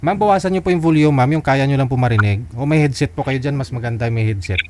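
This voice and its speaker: A man's voice: mid-range voice, quick pace, noisy background. A man hosting a live call-in chat, politely steering callers and asking them to turn their volume down. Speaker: host of a live call-in matchmaking show. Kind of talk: casual live-stream chat.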